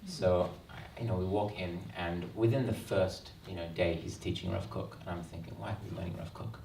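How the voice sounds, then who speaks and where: An Australian man in his thirties, an author speaking earnestly at a book launch, with many ums and pauses. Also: low-pitched, steady tone, gravelly, a little mellow, slight background noise. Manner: earnest, reflective, frequent ums. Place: event hall. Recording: roomy hall sound, mic at a distance.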